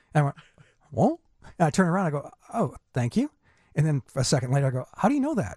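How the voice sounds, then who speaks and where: A somewhat breathy man speaks very fast at a fairly high pitch with a dark, mellow tone and lively intonation. Long, frequent pauses break up his speech, and the sound is dry and close, with no echo. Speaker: cartoonist. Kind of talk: radio interview. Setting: studio. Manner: animated.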